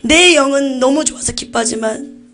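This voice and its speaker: A woman pastor with a Jeolla Korean accent delivers an emotional testimony to her congregation. Her voice sits on the higher side. She swings between hushed, whispered passages and fervent, shouted exclamations. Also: moderate pace, soft background music.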